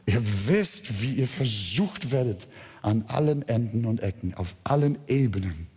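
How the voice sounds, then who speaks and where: Slow, husky preacher in a reverberant church. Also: male voice, mid-range voice, animated, mellow. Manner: emphatic, addresses the congregation directly. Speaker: pastor. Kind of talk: sermon. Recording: long reverb of a church hall.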